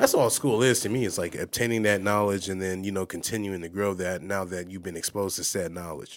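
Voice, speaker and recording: A man with an American accent speaks in a normal speaking voice, fairly low-pitched and fairly quick, with fairly even intonation. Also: hardly any pauses. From US West Coast, San Diego. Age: 20s. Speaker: podcast co-host. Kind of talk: casual chat.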